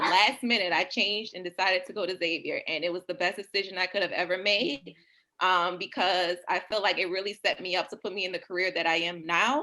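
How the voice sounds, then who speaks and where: Against a quiet background, a woman with a New Orleans accent speaks in a bright, sharp tone at medium pitch and a fairly quick pace. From New Orleans, Louisiana. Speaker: doctor, former pageant queen. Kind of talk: panel discussion.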